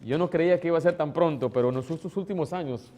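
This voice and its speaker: Emotional male pastor with a mellow voice. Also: fast talker. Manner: emotional, swings between loud exclamation and soft tender asides; acts out voices of relatives in a higher tone. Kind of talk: sermon.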